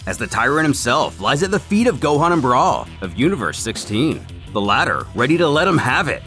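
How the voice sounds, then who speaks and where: A man's voice: medium pitch, very animated, fairly quick, fairly bright tone. A man narrating a scripted story recap in the manner of a dramatic retelling, with music behind him. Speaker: narrator of a fan comic series.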